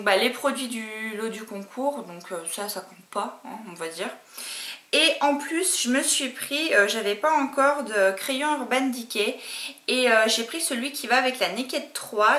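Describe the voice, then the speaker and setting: A French beauty vlogger talks to camera in a haul video, chatty and enthusiastic and full of fillers. Her voice is a little high with a sharp tone, recorded on a camcorder mic in an echoey room.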